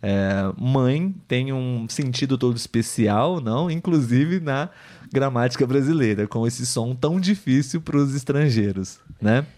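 A Brazilian man with a warm, mid-range voice hosts a live podcast conversation aimed at Portuguese learners. He speaks clearly and at a measured pace, frequently checking in with his co-host.

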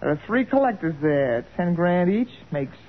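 A woman's voice: on the low side, big pitch swings, normal speed. A woman playing a hard-boiled, cocky gangster boss with a brash, slangy American delivery in a 1940s radio crime drama. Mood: smug, scheming. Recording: scratchy, narrow-band 1940s radio recording.

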